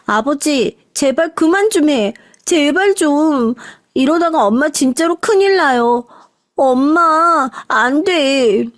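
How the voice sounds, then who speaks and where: A frightened girl of eleven, acted by a woman narrator, pleading and crying out in a high voice. She sounds desperate to protect her mother, in a closely recorded, dry audio story drama. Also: lively intonation, takes it slowly, dry recording.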